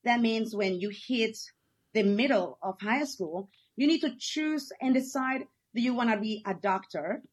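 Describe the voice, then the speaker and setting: Enthusiastic woman from Ecuador, fairly high voice. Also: measured pace. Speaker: guest. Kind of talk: casual conversational interview.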